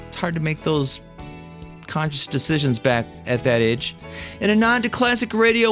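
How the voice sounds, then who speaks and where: A man's voice: high-pitched, fairly bright tone. A middle-aged American man telling a first-person story in a conversational, folksy way. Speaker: podcast host and storyteller. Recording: music playing behind the voice. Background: background music.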